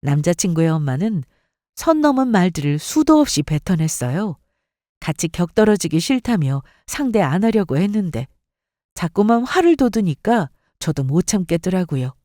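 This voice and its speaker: A woman narrating a first-person drama story in an expressive, scripted style. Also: on the low side, normal speed, dry recording, studio quality.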